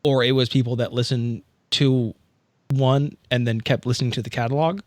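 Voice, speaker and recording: A man chatting casually as a podcast co-host, halting and repeating words as he goes. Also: medium pitch, steady tone, a little mellow, dry recording, studio quality. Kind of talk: casual chat.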